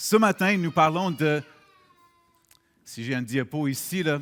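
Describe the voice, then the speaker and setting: A man with an English accent speaks in a fairly high pitch. His intonation is lively. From United States. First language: English (speaking French). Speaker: pastor. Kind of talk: sermon. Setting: church. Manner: halting, repeats words.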